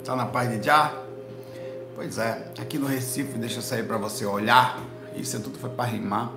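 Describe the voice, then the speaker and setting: A man with a Pernambuco accent from northeast Brazil, telling stories to camera in animated, slangy bursts. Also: medium pitch, reverberant. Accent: Pernambuco Portuguese. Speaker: spiritual vlogger answering viewers. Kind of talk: casual talk to camera. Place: indoor room with a light behind him.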